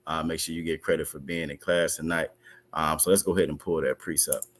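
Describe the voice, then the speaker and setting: A man teaching an online religious class over a video call, halting, with many fillers and restarts. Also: rumbling low, level tone.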